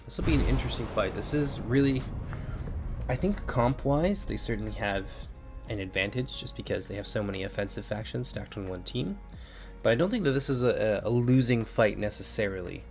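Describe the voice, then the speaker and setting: A man with a stuffy, congested voice giving relaxed live commentary on a strategy game while answering chat. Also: mid-range voice, fairly quick, over music. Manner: relaxed, thinking aloud with fillers. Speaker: game streamer and mod developer. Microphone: headphones with mic at a computer.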